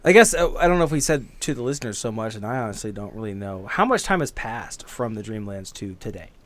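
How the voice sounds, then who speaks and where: A man's voice: fairly low pitch, lively intonation, quick pace, a bit bright, no room sound. A man playing a tabletop game, casually improvising descriptions of what his character does. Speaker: player on a tabletop game podcast.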